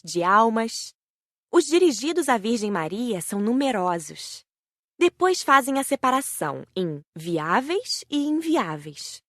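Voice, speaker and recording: A woman narrating a scripted audiobook story in the first person, with measured, careful enunciation. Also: fairly high pitch, a bit bright, dry recording, clean studio sound.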